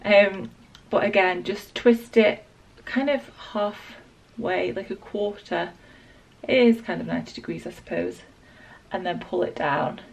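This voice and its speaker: Northern English woman, late 20s, croaky with a sore throat, gravelly, rambling vlog chat. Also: fairly low pitch, unhurried, distant mic, low-quality recording. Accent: Northern English, Lancashire. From England. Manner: relaxed, rambling, lots of ums and likes. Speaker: beauty vlogger. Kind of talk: casual hair tutorial. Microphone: small external mic.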